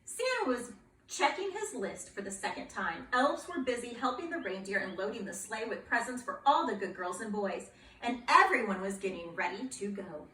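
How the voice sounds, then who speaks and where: Woman, storybook read-aloud, bright sharp tone, echoey room a bit off-mic. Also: mid-range voice, moderate pace, recorded from a distance, a little hiss or hum. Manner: animated, playful, asks listeners questions. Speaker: librarian reading aloud.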